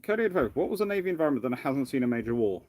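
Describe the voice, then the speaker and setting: A man hosting a casual live question-and-answer stream, thinking aloud in a halting, rambling way. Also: medium pitch, sing-song, a little mellow, dry recording. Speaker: livestream host, naval historian. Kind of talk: casual live Q&A with off-the-cuff commentary.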